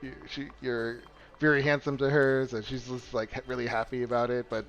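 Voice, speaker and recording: A man's voice: mid-range voice, flat delivery, fairly quick, highs cut off, over music. A man narrating a tabletop game as game master, casual and rambling, often breaking into laughter.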